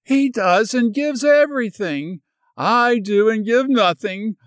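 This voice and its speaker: A man's voice: high-pitched, slow pace, clean tone, no room sound, pitched above the performer's own voice. A man voicing a feverish, distraught young woman who pleads desperately. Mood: despairing.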